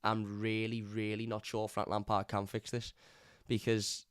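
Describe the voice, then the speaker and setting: A hoarse man, hosting a live fan review and ranting bluntly. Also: fairly low pitch, monotone, unhurried, no echo, studio quality. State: hoarse from lost voice. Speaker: fan channel host. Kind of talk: live stream match review.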